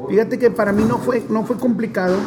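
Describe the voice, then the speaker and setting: A man in his forties from Monterrey with a northern Mexican accent, telling stories in an interview in a chatty, animated way with many fillers. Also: high voice, brisk, over music. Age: 40s. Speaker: stadium DJ and announcer. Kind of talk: relaxed storytelling interview.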